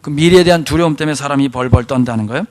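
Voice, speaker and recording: A man preaching a sermon in a church, animated and full of questions to the congregation. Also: mid-range voice, rapid-fire. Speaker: pastor. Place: church sanctuary.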